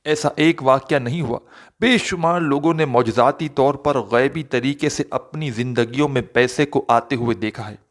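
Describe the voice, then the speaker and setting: A man's voice: medium pitch, moderate pace. A man giving a devotional talk with prayers. He speaks earnestly and pleadingly, and keeps addressing his listeners directly. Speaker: religious online preacher.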